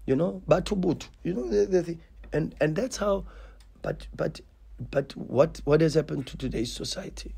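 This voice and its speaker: A South African football coach in his thirties speaks passionately at a post-match press conference, repeating and restarting words for emphasis. His voice is a little high, expressive and husky, with a creaky, dark tone at a moderate pace. He talks into a table mic on a stand in a small press room.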